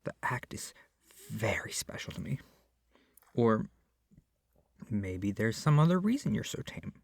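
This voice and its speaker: A man acts out a young male yandere captor for an ASMR roleplay, doting and possessive. His delivery is soft and awkwardly hesitant, often falling toward a whisper, with animated swings in pitch. The sound is dry, with no room around it. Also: measured pace, no room sound. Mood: calm, doting. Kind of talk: ASMR roleplay addressed to the listener.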